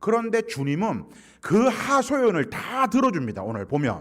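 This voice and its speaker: On a very clean recording with a silent background, a man speaks at an extremely high pitch. His voice makes very wide pitch swings. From Gyeongsang region, Yangsan. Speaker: guest pastor. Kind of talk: sermon. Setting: church.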